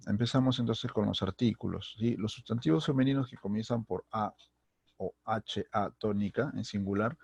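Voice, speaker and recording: A man's voice: on the low side, a little mellow, no room sound. A man from Peru with a Peruvian Spanish accent, teaching a recorded secondary school grammar lesson, restating terms and often checking that students follow. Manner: explanatory, repeats and restates terms, frequent "¿sí?" and "¿listo?" checks.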